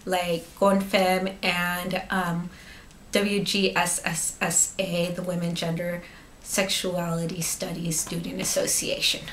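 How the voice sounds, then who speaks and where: A woman's voice: fairly low pitch, flat delivery, slow, fairly bright tone, roomy sound, slight background noise. A woman in her thirties introducing herself matter-of-factly in a short video interview. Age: 30s.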